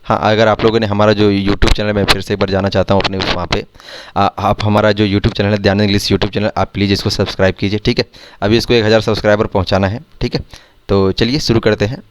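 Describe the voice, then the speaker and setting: A lower-voiced man runs through English words for exam students, asking a question about each word and answering it himself. He talks quickly, and his voice sounds close and dry, with no room echo. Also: flat delivery, clear, resonant tone. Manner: explains words with repeated quiz questions. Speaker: English teacher for exam prep. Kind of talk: Hindi vocabulary lesson over screen.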